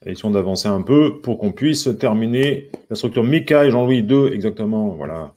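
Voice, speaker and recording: A man's voice: fairly low pitch, lively intonation, moderate pace, mellow. French man teaching songwriting live. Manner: patient, counting syllables aloud and greeting viewers by name. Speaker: music teacher. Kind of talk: live-streamed songwriting lesson.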